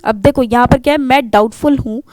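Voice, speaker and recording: A woman's voice: high-pitched, fairly quick, darkish tone, no echo. A woman English teacher, explaining grammar step by step in an exam-prep lesson, mixing English terms into Hindi.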